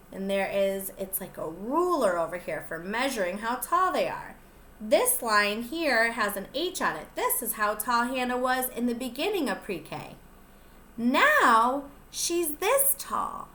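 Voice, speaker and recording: A young woman pre-K teacher reading a picture book aloud to small children, slow and gentle, stopping to ask them questions. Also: a little high, very animated, echoey room. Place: classroom.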